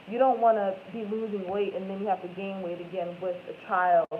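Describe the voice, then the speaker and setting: A woman in her twenties chatting casually with viewers as host of a live stream, rambling and correcting herself as she goes. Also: medium pitch. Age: 20s. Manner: rambling, self-correcting, lots of "like" and "um". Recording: tinny phone-like audio with faint noise.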